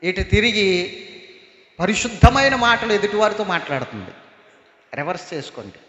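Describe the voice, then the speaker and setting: A man's voice: high voice, expressive, moderate pace, fairly bright tone, reverberant, big-room sound, highs cut off. A man preaching a sermon as a pastor, emphatic and repetitive, often calling for praise.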